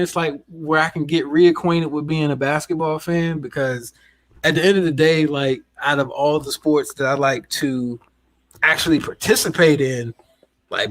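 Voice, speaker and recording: A man's voice: fairly high pitch, no echo. A man from the South, chatting casually as a podcast co-host. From Southern United States.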